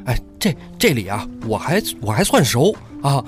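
Man acting timid, fawning miner, swooping pitch. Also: sing-song, moderate pace, natural voice. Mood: anxious, reassuring. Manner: stammering, fawning, repeats himself. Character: timid, eager-to-please male miner, apologetic and ingratiating. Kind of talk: Chinese audio drama acting. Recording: background music under the voice.

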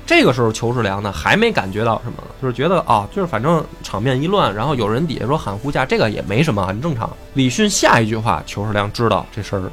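A man's voice: mid-range voice, big pitch swings, fast, few pauses, a bit bright, soft background music. A man with a Beijing accent casually telling history, swearing often and acting out the dialogue himself. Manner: swearing, slangy, acts out dialogue. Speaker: podcast host.

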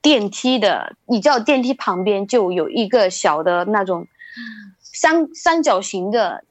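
A woman's voice: medium pitch, a little slow, no echo, muffled recording. A woman recounts a spooky tale in a loose, rambling chat. She doubles back often and lifts her voice as the story builds. The sound is dry and close, with no room around it. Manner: rambling, many restarts and fillers, lively build-up. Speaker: guest storyteller. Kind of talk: casual spoken ghost story.

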